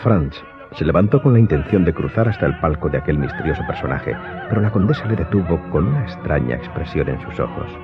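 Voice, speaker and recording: A man with a low voice narrates a radio drama. His intonation swings widely as he tells the scripted story. Faint music runs behind a slightly dull recording. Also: very animated, brisk.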